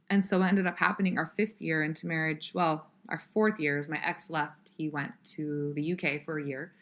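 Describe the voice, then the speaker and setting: A woman in her thirties speaks as a podcast guest, earnest and reflective. Her voice sits on the low side, and her thoughts unfold with pauses and fillers. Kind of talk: personal storytelling in conversation.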